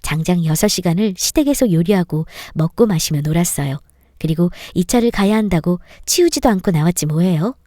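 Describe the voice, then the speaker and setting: A woman's voice: fairly low pitch, lively intonation, a little fast, warm tone, no echo, clean studio sound. A woman narrating a scripted first-person story in a wry, vindictive storytelling manner.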